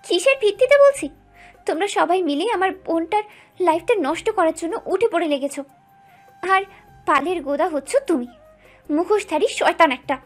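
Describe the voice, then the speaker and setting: A fiery young wife in an audio drama, her voice pitched very high and her words biting and accusing. Soft music plays faintly underneath. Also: normal speed. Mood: angry. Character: hot-tempered young wife, sharp and accusing.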